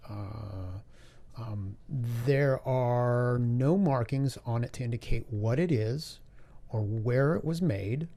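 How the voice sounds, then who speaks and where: A man co-hosting a podcast, telling things in a halting, hesitant way in casual chat. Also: medium pitch, creaky, mellow. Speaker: podcast co-host.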